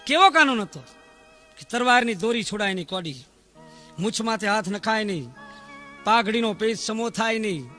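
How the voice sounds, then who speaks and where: A man's voice: high voice, expressive, normal speed, long pauses, pushed and bright, soft background music. A man telling a folk tale in dayro style, dramatic and declaiming, breaking into chanted verses. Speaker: folk storyteller.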